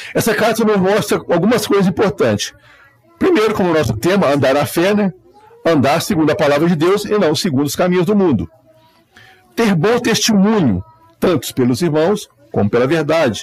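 Over noticeable background noise, a man with a high pitch talks at a moderate pace, his intonation lively, his loudness very even, and his speech broken by long, frequent pauses. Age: 50s. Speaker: preacher. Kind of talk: sermon. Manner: halting, repeats words.

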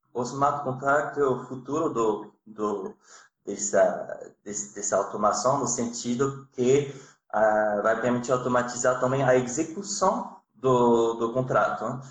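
A man with a French accent speaks very slowly at a medium pitch, his pitch varying in an ordinary way, with audible room echo. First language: French (speaking Portuguese). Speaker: legal tech founder, lawyer. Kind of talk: interview. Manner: halting.

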